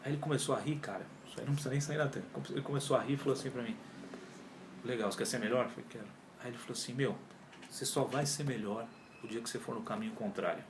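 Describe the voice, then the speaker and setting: Racing along in a medium pitch, a man talks over a noisy background. He's a Brazilian yoga teacher in his 40s and an interview guest in an informal chat, telling his story in a lively way, playing out past conversations, and using heavy slang. Faint ambience echoes through the room.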